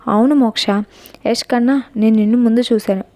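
A lovesick young man in a spoken story, pleading and insistent, as a woman narrator gives him voice in her own higher, mellow tone. The recording is close and dry. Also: fairly even intonation, fairly quick, no room sound, lightly acted. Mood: confessing.

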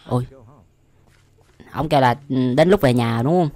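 A man's voice: mid-range voice, normal speed, darkish tone. A young man giving casual, exclamation-filled reaction commentary as a YouTube host, often amused by what he watches. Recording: music behind the voice. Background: music.

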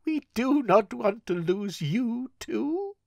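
An old grandmother begs with imploring sorrow, her voice pitched well above the reader's natural one, as a man puts her on. The delivery is slow and dry, with no echo. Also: lively intonation, vocal fry, exaggerated voice. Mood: begging. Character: aged grandmother, begging and sorrowful.

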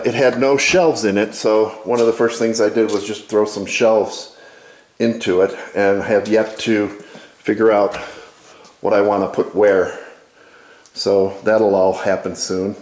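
Low-voiced man in an echoey workshop. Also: fairly even intonation, takes it slowly, pauses often, a little mellow. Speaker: woodworking video host. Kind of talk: informal narrated shop tour. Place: indoor wood workshop.

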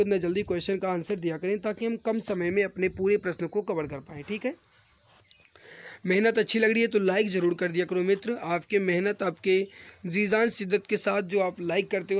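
A man teaching an exam-prep mock test online, reading out questions and answers briskly and addressing viewers as friends, often repeating himself. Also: high-pitched. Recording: rattling wind noise in the background. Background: wind noise from a storm outside.

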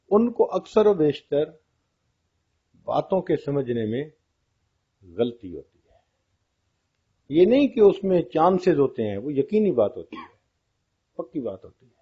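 A man's voice: a little high, big pitch swings, pauses often, husky. A man giving a religious lecture, telling funny anecdotes and asking his audience questions. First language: Pashto-region colleagues mentioned, not him. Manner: storytelling, asks the audience questions. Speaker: Islamic lecturer. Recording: dull lo-fi audio.

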